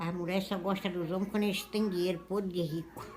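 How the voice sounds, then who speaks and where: A woman speaks at medium pitch while noticeable background noise carries on behind her. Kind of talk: casual conversation.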